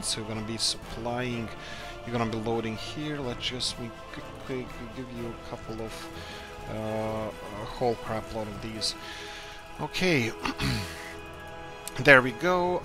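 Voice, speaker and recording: A man from Croatia, hosting a let's play and chatting casually while he plays, thinking aloud in an upbeat, rambling way. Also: mid-range voice. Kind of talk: casual gameplay commentary.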